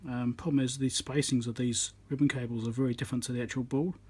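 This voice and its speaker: A man giving casual hands-on commentary as he works, halting and half talking to himself while he concentrates, recorded on a phone at an indoor workbench. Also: medium pitch, little pitch movement, a little mellow, husky. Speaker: electronics repairer, channel host. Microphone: phone on a tripod above the work. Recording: noisy room recording on a phone.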